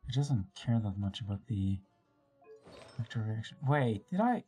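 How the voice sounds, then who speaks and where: Woman, game streamer, very low register, animated intonation; casual, sweary, playfully exasperated running commentary. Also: normal speed, faint music behind. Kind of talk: casual gameplay commentary, talking to self.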